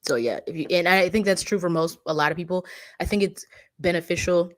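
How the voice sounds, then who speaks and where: A woman from the Bay Area with an African American Vernacular English accent, hosting a casual livestream and chatting with viewers, full of "like" fillers and animated asides. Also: on the low side, a little fast, dry recording, studio quality. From California Bay Area. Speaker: livestream host. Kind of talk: casual livestream chat, reading viewer comments.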